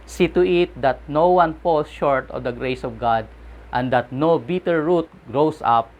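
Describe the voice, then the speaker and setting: A man with a Filipino accent preaching a sermon online, switching between two languages and slowing down to stress key words. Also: a little high, muffled recording. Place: online church gathering.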